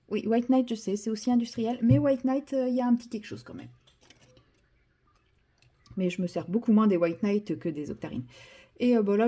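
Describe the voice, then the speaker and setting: Woman vlogging while she paints, warm mellow voice, rambly and self-deprecating. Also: mid-range voice. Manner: chatty, self-deprecating, full of fillers and restarts. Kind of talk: casual chat while painting.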